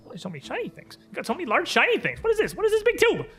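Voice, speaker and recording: A tiny, greedy imp squeals in a very high, squeaky voice. It is pixie-like and mischievous, exclaiming with childlike excitement in a tabletop game, with faint music behind. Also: male voice, rapid-fire, exaggerated voice. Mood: excited curiosity. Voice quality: very high-pitched, squeaky little voice. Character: small pudgy mischievous imp, greedy for shiny things. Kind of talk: tabletop game role-play.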